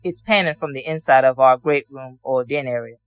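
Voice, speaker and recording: A man's voice: medium pitch, fairly quick, smooth, no room sound, faint music behind. Matter-of-fact male witness giving testimony. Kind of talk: courtroom testimony.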